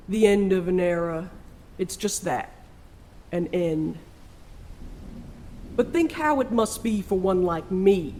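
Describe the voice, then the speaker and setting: Ancient trickster spirit played by an actor for audio drama: unhurried, folksy, theatrical, world-weary, mid-range voice. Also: medium pitch, warm tone, slight background noise. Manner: slow drawling folksy speech, theatrical. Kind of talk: scripted audio drama acting.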